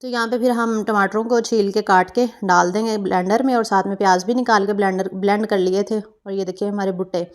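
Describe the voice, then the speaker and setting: A woman's voice: mid-range voice, steady tone, brisk, hardly any pauses. A young woman from Pakistan, narrating her cooking vlog in a chatty, meandering way full of fillers and self-corrections. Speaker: cooking vlogger.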